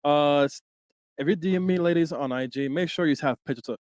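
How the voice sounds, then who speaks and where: A man opening a podcast with playful shout-outs. He talks fast and loosely at a middle pitch, keeping it jokey. The sound is close and dry. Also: dry recording. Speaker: podcast co-host. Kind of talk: show intro shout-out.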